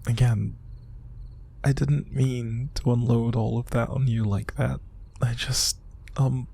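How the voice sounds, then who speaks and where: Breathy, gravelly, downcast young man, acted. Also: medium pitch, heavily acted. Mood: apologetic, drained. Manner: halting, sighing, hushed, naturalistic delivery. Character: upset, exhausted young man bottling up his sadness. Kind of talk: intimate audio roleplay monologue to an unseen listener.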